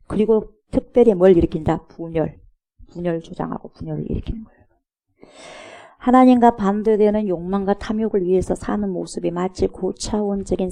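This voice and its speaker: Gravelly-voiced woman pastor preaching. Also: mid-range voice, mellow. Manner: emphatic preaching with rhetorical questions, mocking imitations of scoffers. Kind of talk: sermon.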